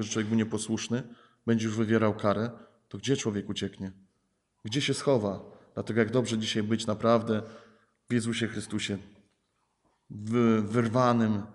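A man's voice: lowish voice, little pitch movement, moderate pace. A man preaching a sermon, building emphasis through repeated phrases and rhetorical questions.

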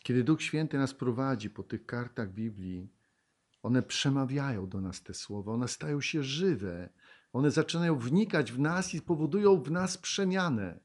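Man, preacher, sermon with scripture reading, mid-range voice, animated, loud and hushed by turns, asks questions. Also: medium pitch, moderate pace. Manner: animated, swings from loud exclamations to hushed tones; laughs and asks the congregation questions.

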